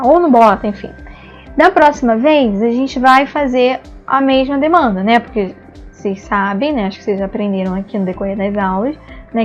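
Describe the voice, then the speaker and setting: Her voice a little high and the recording muffled, a Brazilian woman teaches ABA therapy online. She explains patiently in Brazilian Portuguese, using "né?" tags often and acting out both praise and "no" examples.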